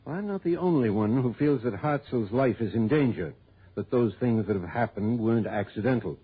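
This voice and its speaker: A man's voice: mid-range voice, animated, moderate pace, breathy edge. An actor playing an opinionated, folksy male client who insists on his suspicions, in 1960s radio drama style. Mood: insistent. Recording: tinny old radio broadcast.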